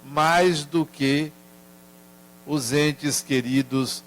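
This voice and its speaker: An older man giving a spiritist lecture, telling a family story in a gentle, measured way. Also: on the high side, fairly even intonation.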